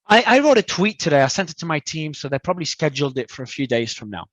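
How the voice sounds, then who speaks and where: Man, guest in an interview, animated and emphatic, somewhat high voice, dry close sound. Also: quick pace, dry recording. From Australia. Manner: animated, emphatic, repeats words when restarting. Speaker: crypto entrepreneur guest. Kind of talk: casual interview talk.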